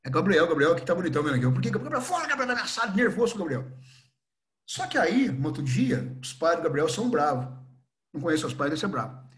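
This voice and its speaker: Animated high-voiced Brazilian teacher. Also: male voice, fast. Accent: Brazilian Portuguese. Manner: animated, acts out scenes with voices. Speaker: history teacher. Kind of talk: lively online class lecture.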